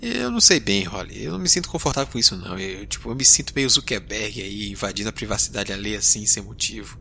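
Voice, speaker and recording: Brief: a man as a sarcastic, exasperated starship captain, low-pitched, bright and forceful tone, faint rumble under him. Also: lively intonation, fast talker, vocal fry, exaggerated voice. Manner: grumbling, sarcastic, sighing. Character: weary male space explorer captain, easily exasperated.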